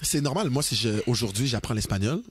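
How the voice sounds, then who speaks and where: A young man with a Québécois French accent, co-hosting a podcast in casual, animated chat, mixing in English and slang. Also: mid-range voice, quick pace, breathy edge, dry recording. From Quebec, Canada. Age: young adult. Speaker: podcast co-host.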